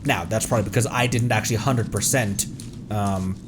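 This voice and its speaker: A man doing casual live gameplay commentary in an animated, halting way, exclaiming often. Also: fairly low pitch. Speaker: livestreamer, VTuber. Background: game music.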